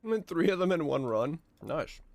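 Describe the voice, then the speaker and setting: A hoarse man with a raspy, fading voice chatting casually while streaming a game, rambling and halting, swearing now and then. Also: on the high side, sing-song, darkish tone, dry recording. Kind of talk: casual gaming stream commentary.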